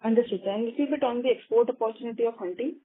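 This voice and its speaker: A woman analyst puts questions to company management on a call. Her voice is fairly high and husky, and it comes through a narrow, muffled telephone connection. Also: rapid-fire. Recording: muffled narrow phone line.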